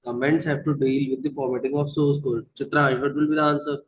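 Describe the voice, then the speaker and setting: A man's voice: mid-range voice, little pitch movement, fast talker, low-quality recording. A man with a South Asian accent teaching an interactive online lesson, prompting pupils with short questions and switching between English and Hindi. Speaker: teacher leading an online class.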